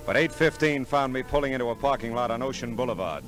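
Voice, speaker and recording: An actor playing a wry, hard-boiled private eye with an American accent, narrating in terse, deadpan 1940s radio noir style. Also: male voice, mid-range voice, fast talker, close to an everyday voice. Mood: wry, matter-of-fact. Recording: old radio broadcast with music behind.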